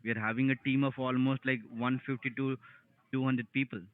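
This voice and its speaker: A man's voice: medium pitch, level tone, brisk, no echo. Defensive Indian man on muffled phone line. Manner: defensive, insistent, repetitive. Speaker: call centre scammer.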